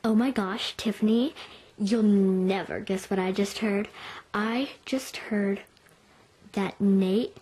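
A woman's voice: mid-range voice, takes it slowly, slightly rough, low-quality recording. A girl doing a gushing gossipy schoolgirl. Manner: excited, gushing. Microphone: computer sound recorder.

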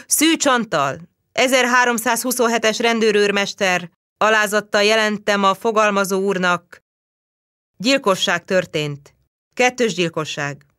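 A woman's voice: medium pitch, fairly bright tone, dry recording, clean studio sound, voice pushed up, natural voice. A woman voicing a stern, burly peasant policeman who barks orders. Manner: barking orders.

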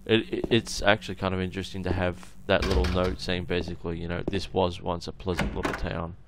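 A man with an Australian accent giving casual, halting gameplay commentary that trails off into asides, on a noisy home recording. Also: sits low, little pitch movement, vocal fry. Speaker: gamer recording a let's play.

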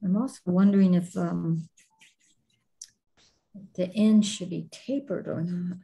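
Middle-aged woman, warm mellow tone, casual instructor thinking aloud as she shapes clay. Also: on the low side, fairly even intonation, slow, creaky. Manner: thinking aloud, many fillers and trailing phrases. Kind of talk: casual chat while demonstrating.

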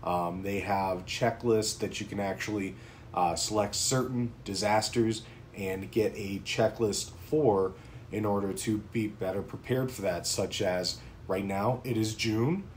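A man in his thirties talks straight to camera about his interest in casual vlog style, his voice sitting on the lower side. He drifts through fillers and restarts in an easygoing, unscripted way. The recording is from a small home office with a faint hiss of room noise behind him. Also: fairly even intonation, measured pace. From Pennsylvania, United States. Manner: informal, conversational, frequent ums and uhs. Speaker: prepping channel host. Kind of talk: casual talking-head vlog.

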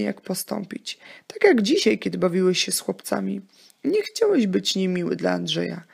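A gentle, wise dad in a children's audio story, played by a woman, patiently teaching his boy. The voice has heavy creak and a husky grain, with earnest delivery. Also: medium pitch, heavily acted. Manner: patient, explaining.

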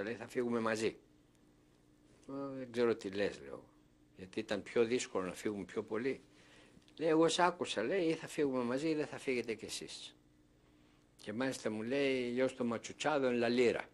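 Speaking in a mid-range voice, an elderly Thessaloniki man recounts his past in an oral history interview. His storytelling brings remembered dialogue to life by acting it out.

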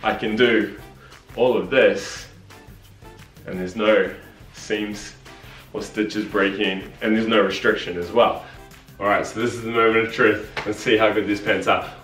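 A relaxed man in his thirties reviews clothes in a chatty, easygoing way, trailing into ums and uhs. His voice sits on the low side, and the living room around him rings with echo. Faint music plays under him. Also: a little slow. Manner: chatty, relaxed, many fillers. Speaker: vlogger. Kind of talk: casual product review. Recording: echoey room.

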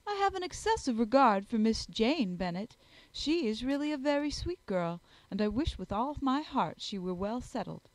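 A woman voicing a snobbish married society woman in a storybook, disapproving, with drawn-out, indignant emphasis. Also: on the high side, sing-song, dry recording, rough recording. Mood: condescending.

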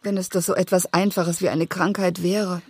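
Anxious, breathy village wife. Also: female voice, fairly low pitch, little pitch movement, moderate pace, darkish tone. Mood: anxious, evasive. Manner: hesitant, pleading. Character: anxious, distressed village wife, loyal and timid. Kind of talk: German radio play acting.

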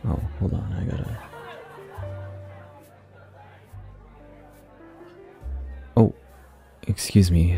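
A man performing an ASMR roleplay as a flirty, self-deprecating club singer, speaking casually with hesitant, softly teasing delivery over music. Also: deep voice, creaky, breathy edge, exaggerated voice. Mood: gently flirty. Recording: close dry mic, music behind. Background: music in a staged club scene.

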